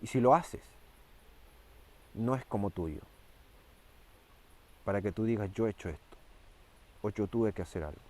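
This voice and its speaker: A man preaching a fervent sermon, repeating key phrases and slowing down and rising for emphasis. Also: fairly low pitch, lively intonation, a little mellow.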